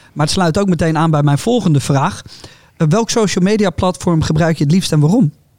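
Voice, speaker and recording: A high-pitched man talks at a fairly quick pace. His loudness is very even and his pitch varies in an ordinary way. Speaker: podcast host. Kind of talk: casual interview chat.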